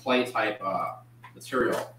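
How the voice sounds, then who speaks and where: A man co-hosting a live auction, describing items in a relaxed, halting way. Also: lowish voice, a little hiss or hum. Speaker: auction co-host. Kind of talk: casual item description. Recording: echoey room, off mic.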